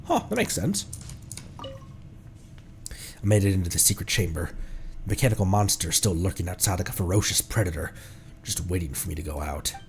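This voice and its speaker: A man's voice: low voice, very animated, normal speed, gravelly, pauses often, slight background noise. A man commentating live on a game he plays and reading its text aloud, in a playful, exclaiming manner. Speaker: game streamer. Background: music.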